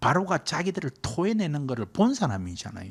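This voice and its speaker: Heard on a very clean recording with a silent background, a man speaks at a fairly high pitch. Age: 70s. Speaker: pastor. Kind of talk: sermon.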